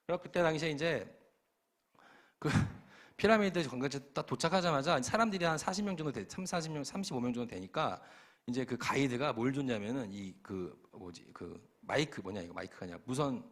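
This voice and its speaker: A man's voice: medium pitch, animated, fairly quick. A young male pastor telling a funny story in a youth sermon, acting out the voices of the people in it. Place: church hall.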